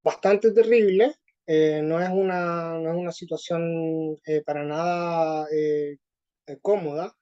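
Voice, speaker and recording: A man with a Chilean accent answering interview questions slowly, with many pauses and fillers. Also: a little high, steady tone, warm tone, clean tone, highs cut off. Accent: Chilean Spanish. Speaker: interview guest. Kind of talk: conversational interview.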